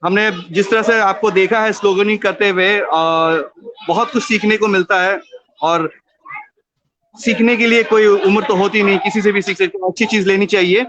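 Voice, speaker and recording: A man's voice: high-pitched, steady tone, normal speed, a crowd in the background. A man on an online call that keeps cutting out, introducing a guest hesitantly with many fillers while away from his office, partway along a route. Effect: online call audio breaking up and cutting out. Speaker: team member introducing a guest in an online session. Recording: dull, faintly noisy online call.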